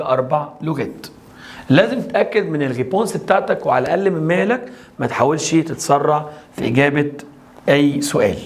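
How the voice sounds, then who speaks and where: A man with an Egyptian accent teaching a French lesson in a somewhat high voice. He reads the French sentences slowly, then rushes through his explanations in casual Arabic. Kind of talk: exam homework walkthrough.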